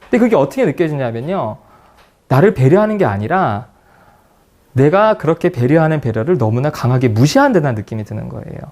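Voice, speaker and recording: A man's voice: fairly high pitch, sing-song, a little fast, darkish tone. A middle-aged man giving a psychology lecture, telling a story from his counseling groups and acting out the dialogue. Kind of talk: lecture with anecdotes.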